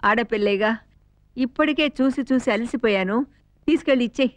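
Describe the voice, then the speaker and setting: A woman's voice: on the high side, fairly quick, lightly acted. An actress playing a weary, ailing older mother who dismisses a baby girl in a film scene. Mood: dismissive. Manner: tired, dismissive. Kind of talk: 1990s Telugu film acting.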